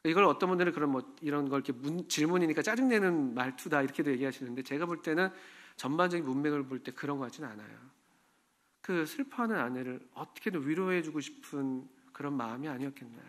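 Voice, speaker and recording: A man gives a sermon in a church, his voice a little higher than most men's. He talks to the congregation in an easy, conversational way and often puts questions to them. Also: expressive, quick pace, fairly bright tone. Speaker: pastor.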